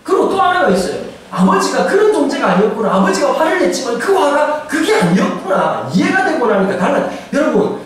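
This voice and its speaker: A pastor in his forties giving a humorous, animated sermon, now and then acting out voices and shouting for effect. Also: very high-pitched, a little fast, hardly any pauses, slight background noise. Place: church sanctuary. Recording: echoey church hall, distant mic, faint ambience.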